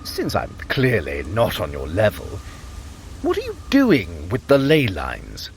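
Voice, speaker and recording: An actor playing a sly trickster god in an audio drama, wry and theatrical in manner. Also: male voice, fairly low pitch, unhurried, slight background noise, full character voice. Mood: wry, flattering. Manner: wry, smooth flattery, theatrical. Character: sly, silver-tongued male trickster god.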